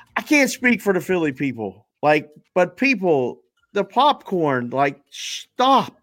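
Speaking at a very slow pace with an American accent, a man uses a high pitch and very wide pitch swings. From Western Pennsylvania (Pittsburgh). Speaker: sports betting analyst. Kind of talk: casual chat.

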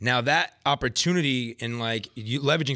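A man with an American accent speaks in a bright, sharp tone on a very clean recording with a silent background. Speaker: entrepreneur and social media influencer. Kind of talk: casual interview chat.

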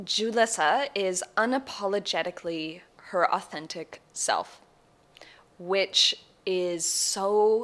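A woman speaks very slowly at a medium pitch with ordinary pitch variation. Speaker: theater executive director. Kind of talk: recorded comment.

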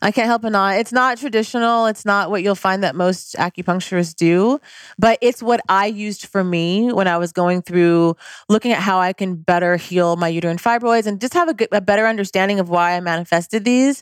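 In a plain, everyday voice, a woman with an American accent speaks fairly quickly at a medium pitch with ordinary pitch variation, in a very clean recording with a silent background and a dry, close sound with no echo. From Southern California. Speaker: Chinese medicine doctor. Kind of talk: casual chat. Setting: studio.

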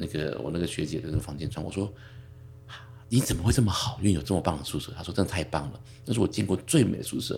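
Over music in the background, a man talks at a very fast pace in a very deep, low voice. His pitch swings very widely. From Taiwan. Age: 40s. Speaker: business executive. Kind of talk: casual chat.

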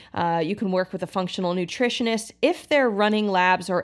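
A woman speaks with an American accent at a medium pitch, with ordinary pitch variation. She has a plain, everyday voice. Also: very clean recording, silent background. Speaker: functional medicine health coach and podcast host. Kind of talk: scripted intro then casual educational talk.

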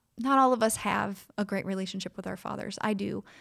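Over a silent background on a very clean recording, a woman with a medium pitch speaks in an unremarkable speaking voice. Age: 30s. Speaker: podcast host, single mom.

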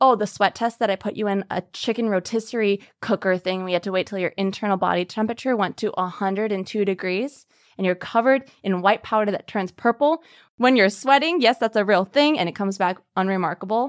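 Recorded dry and close with no echo against a silent background in a very clean recording, a normal speaking voice with an American accent moves at a fairly quick pace with ordinary pitch variation. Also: woman, medium pitch for a woman. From Minnesota. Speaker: photographer. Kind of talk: casual interview.

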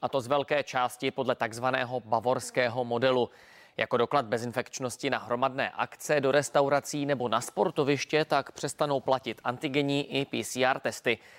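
A man's plain, everyday voice at a medium pitch and moderate pace, with hardly any pauses, in a dry, close sound with no echo on a very clean recording with a silent background. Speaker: news reader. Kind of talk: news reading.

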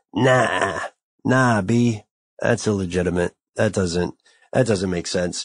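In a put-on character voice, a man speaks very slowly, raspy and fairly low in pitch, against a quiet background. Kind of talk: casual, flippant. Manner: dismissive, brushing off.

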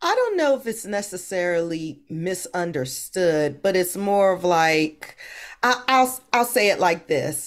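Recorded very cleanly with a silent background, a woman with an unremarkable speaking voice and an American accent talks at a fairly slow pace, medium pitch and lively intonation. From Hampton, Virginia. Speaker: marching band alumna and band historian. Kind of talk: interview.

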